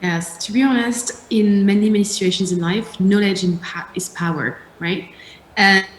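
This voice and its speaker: A woman's voice: medium pitch, normal speed, slight background noise. A woman on a discussion panel, speaking emphatically and repeating words for stress. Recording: echoey room.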